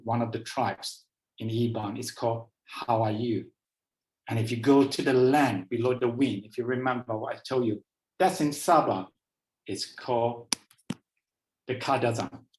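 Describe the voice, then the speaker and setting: A man from Borneo talks about his home over a video call, in an easy, enthusiastic storytelling way. His voice sits at a middle pitch. The room around him is echoey. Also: unhurried, recorded from a distance. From Borneo, Malaysia. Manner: enthusiastic storyteller, repeats phrases, shifting emphasis. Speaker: guest speaker. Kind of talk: informal travel talk on a video call.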